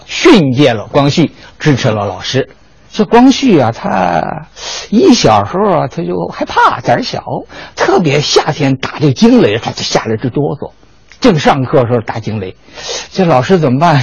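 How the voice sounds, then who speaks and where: An older man tells history as a lively story, posing rhetorical questions and swinging his pitch widely as he speaks. His voice has a slight huskiness. The sound is dry and close, with little room echo. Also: slightly rough, dull audio. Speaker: history lecturer. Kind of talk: storytelling lecture.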